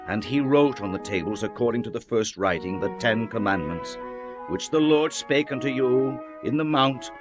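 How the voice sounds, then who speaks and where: A man's voice: medium pitch, close to an everyday voice. Man playing a solemn prophet over music. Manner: solemn, declamatory, measured. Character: solemn male prophet exhorting his people. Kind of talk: dramatized scripture audiobook reading. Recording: music under the voice.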